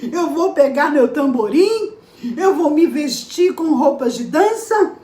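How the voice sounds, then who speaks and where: A woman preacher voicing a joyful young daughter who talks in excited, pleading bursts. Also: slow pace, reverberant. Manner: excited and pleading, high rising questions.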